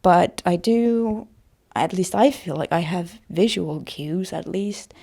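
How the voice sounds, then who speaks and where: A woman talking in a casual personal vlog style, with a creaky voice and a hesitant, self-conscious, rambling manner. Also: fairly low pitch, slow pace, dark tone. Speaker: voice actor vlogger.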